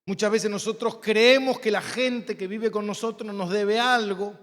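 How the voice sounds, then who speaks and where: A man's voice: high voice, fairly even intonation, measured pace, a bit bright. A man with an Argentine accent, preaching a sermon as pastor, emphatic and repetitive, telling personal stories. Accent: Argentine Spanish. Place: church sanctuary. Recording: long church hall reverb.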